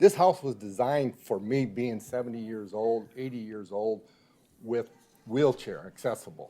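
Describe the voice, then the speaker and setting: In an American accent, a man talks at a moderate pace and medium pitch with a dark, mellow tone. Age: 70s. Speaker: property owner appealing tax assessment. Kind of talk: public hearing testimony.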